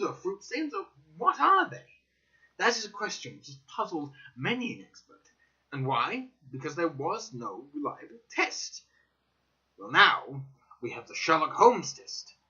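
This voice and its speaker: Eccentric male sleuth as a man reads him: bright, keen, theatrical, swinging emphasis, audiobook drama. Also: fairly high pitch, heavily acted. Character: eager, excitable, eccentric young male scientist-detective. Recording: dull, slightly lo-fi recording.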